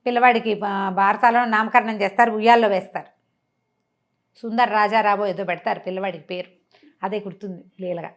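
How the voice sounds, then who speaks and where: A woman storyteller retelling a story in a conversational, expressive way, mixing in some English words. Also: medium pitch, a little fast, long pauses. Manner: expressive, acts out characters' dialogue.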